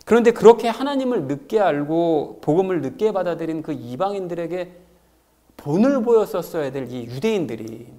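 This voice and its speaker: A man preaching a sermon as pastor, expressive and explanatory, acting out quoted lines as he goes. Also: sits high.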